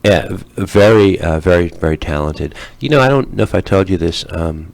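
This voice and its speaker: Deep-voiced man hosting a radio talk show. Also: moderate pace, vocal fry, no echo. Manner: relaxed, chatty with many ums. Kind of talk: casual radio interview.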